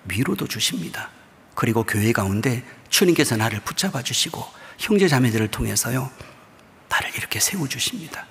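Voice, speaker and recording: A middle-aged pastor from Busan with a Gyeongsang accent, telling a story during a sermon and often dropping to a hushed near-whisper. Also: male voice, medium pitch, lively intonation, a little fast, gravelly, a little hiss or hum. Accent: Gyeongsang dialect. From Busan, South Korea. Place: church sanctuary. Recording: long reverb of a church hall.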